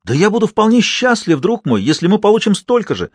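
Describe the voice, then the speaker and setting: A man's voice: sits high, animated, fast, no room sound, clean studio sound, voice pushed up. A man playing a blustering, greedy troupe boss. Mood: agitated. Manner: blustering, cursing. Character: gruff greedy middle-aged troupe manager.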